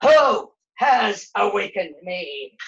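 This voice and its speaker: A woman voicing a grumpy, imperious old male dragon in a puppet show, with slow, drawn-out proclamations. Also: medium pitch, sing-song, creaky, a bit bright, heavily acted. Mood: imperious, threatening. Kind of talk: puppet show character acting. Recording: dull, lo-fi sound.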